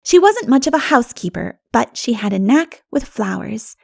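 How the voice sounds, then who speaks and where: A woman voicing a lively, gossipy country girl who tells local tales in an audiobook. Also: on the high side, moderate pace, creaky, exaggerated voice. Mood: storytelling. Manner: animated, gossipy.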